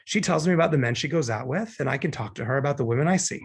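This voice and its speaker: Actor as husky, creaky neurotic single guy. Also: mid-range voice, lively intonation, racing. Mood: earnest, defensive. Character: neurotic wisecracking single man, defensive and talkative. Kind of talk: virtual table read of a film comedy. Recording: remote video-call table read.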